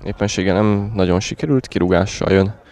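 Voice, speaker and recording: Creaky low-voiced male football commentator. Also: a little mellow. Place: outdoors at a small football ground.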